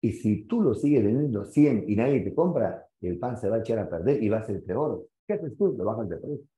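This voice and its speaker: Animated Peruvian economics teacher. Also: male voice, fairly low pitch, a little fast. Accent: Peruvian Spanish. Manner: animated, questioning, storytelling. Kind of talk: lively classroom lecture. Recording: echoey room, dull sound.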